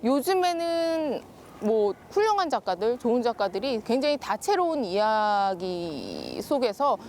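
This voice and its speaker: High-pitched, lively woman explaining. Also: unhurried, slight background noise. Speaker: guest expert on children's stories. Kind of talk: explanatory talk on a panel show.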